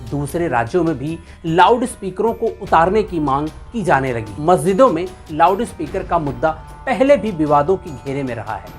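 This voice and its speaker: An Indian news presenter reading a scripted explainer narration. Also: mid-range voice. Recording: music bed under the voice. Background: background music.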